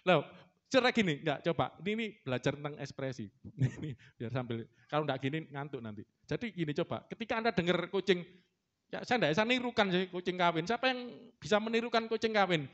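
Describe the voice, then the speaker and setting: A middle-aged man gives a sermon in a church hall, his voice fairly high and swinging widely in pitch. He jokes with the congregation and breaks into animal sounds. The recording is slightly dull and lo-fi. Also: expressive, fairly quick, fairly bright tone. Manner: playful, joking with the congregation and imitating animal sounds. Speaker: pastor.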